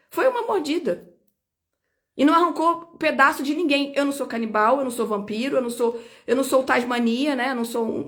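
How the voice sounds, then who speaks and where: A high-pitched woman speaks to the camera in a personal video statement. She sounds indignant and insistent, stressing and repeating her points as she lays out her side. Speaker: lawyer recounting her own detention.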